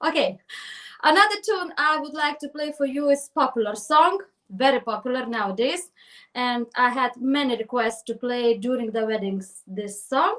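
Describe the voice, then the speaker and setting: Her voice high and her intonation lively, a woman speaks at a moderate pace. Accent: non-native. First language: not English. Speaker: wedding musician. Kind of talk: live virtual show presentation. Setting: live stream. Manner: halting.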